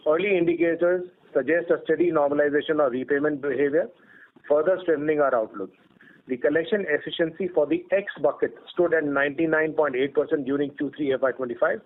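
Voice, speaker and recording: Indian guy on a tinny conference phone line, kinda high voice, reading out corporate results all formal and measured. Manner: formal, measured delivery of prepared remarks. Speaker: company executive presenting results on an earnings call. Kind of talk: scripted corporate presentation read aloud.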